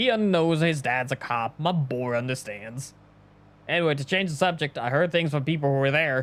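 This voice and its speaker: A man uses a put-on character voice at a fairly high pitch. He speaks at a moderate pace with ordinary pitch variation. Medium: game stream. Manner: commanding.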